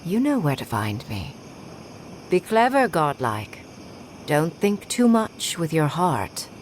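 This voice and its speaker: An actress playing a haughty, jaded archmage in a video game, speaking in an imperious, dryly disdainful way. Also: female voice, low-pitched, sing-song, takes it slowly, slight background noise, heavily acted. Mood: haughty, approving. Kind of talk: video game character acting.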